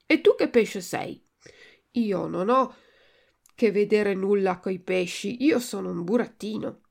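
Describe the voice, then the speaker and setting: A woman's voice: mid-range voice, lively intonation, takes it slowly, vocal fry, a little mellow, heavily acted. A woman voicing a frightened, stubborn wooden puppet boy who cries and shrieks for help in a storybook reading. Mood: indignant.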